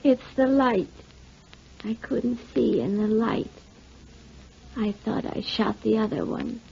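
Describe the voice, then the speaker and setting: An actress playing a dazed, eerily calm, unbalanced woman in a 1940s radio drama, detached and matter-of-fact. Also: a little high, takes it slowly, vocal fry, breathy edge, heavily acted. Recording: dull, muffled old 1949 radio recording.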